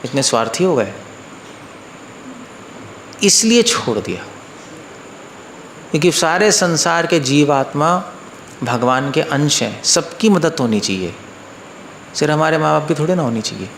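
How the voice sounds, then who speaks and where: A man, a monk, giving an informal spiritual talk to a live audience, asking listeners questions and acting out quoted voices in a softer, lower tone. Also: expressive, a little slow, creaky, pauses often, roomy sound, a little hiss or hum. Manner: conversational, asks listeners questions, mixes in English words.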